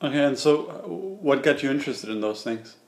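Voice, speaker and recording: A man's voice: a little high, animated, fairly quick, echoey room. A man interviewing a guest, asking short questions with a few fillers. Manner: asks brief questions with fillers.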